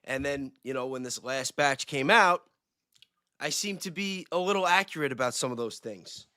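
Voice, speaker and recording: A man's voice: mid-range voice, normal speed, bright, forceful tone, no room sound, clean studio sound. A man talking casually and informally on a livestream, using slang as he speculates. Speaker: livestream guest, self-described independent investigator.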